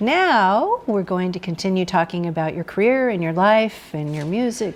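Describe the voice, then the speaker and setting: A woman with lively intonation talks at a moderate speed while noticeable background noise runs underneath. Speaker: talk show host. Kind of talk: interview host, casual talk.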